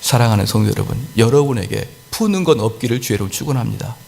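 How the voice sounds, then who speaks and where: A man preaching a sermon as pastor, lively and animated, acting out little scenes of quarrels. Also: medium pitch, quick pace, gravelly, big-room sound. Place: church sanctuary.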